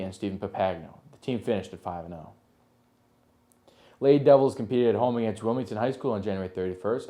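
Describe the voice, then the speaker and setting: A man's voice: fairly low pitch, mellow. A man reading a local TV sports report, going steadily through scores and results.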